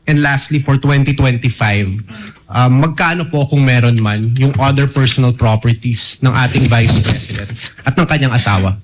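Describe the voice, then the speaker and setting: A man's voice: medium pitch, moderate pace. A man questioning a witness at a hearing, courteous, switching between English and Filipino with some hesitant fillers. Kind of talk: hearing examination.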